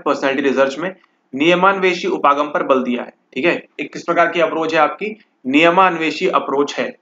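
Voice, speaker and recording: A man's voice: fairly high pitch, bright, forceful tone. A man teaching exam questions, mixing English into Hindi and constantly checking in with the listener as he explains. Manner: repeats "ठीक है" constantly, mixes English and Hindi. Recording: slightly dull lo-fi audio.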